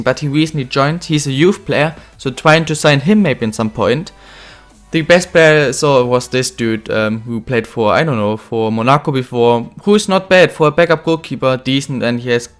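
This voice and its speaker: Young man, a bit ill, fairly high voice, casual game commentary, lots of ums, faint music behind. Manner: rambling, with many fillers and self-corrections. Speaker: gaming video host.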